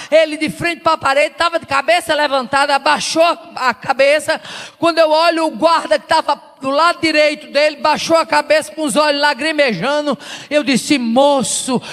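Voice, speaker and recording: A woman missionary preacher, giving a sermon with personal testimony in an emphatic, repetitive way that rises to shouts. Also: sits high, long reverb tail. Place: church service.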